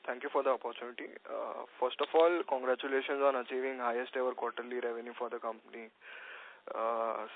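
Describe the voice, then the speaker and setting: Flat-toned male analyst on phone. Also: medium pitch. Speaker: analyst asking questions. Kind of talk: earnings call questioning. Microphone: phone call. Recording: thin, narrow telephone line.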